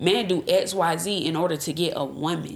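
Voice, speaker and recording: A woman speaks at a medium pitch. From Florida. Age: 20s. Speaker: podcast host. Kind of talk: casual chat. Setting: studio. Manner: animated.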